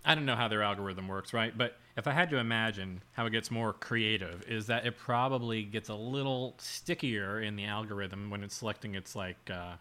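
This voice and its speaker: A man's voice: fairly low pitch, fairly quick, few pauses, pushed and bright. A man co-hosting a podcast in casual, comedic chat, with wry, rambling explanations. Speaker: podcast co-host.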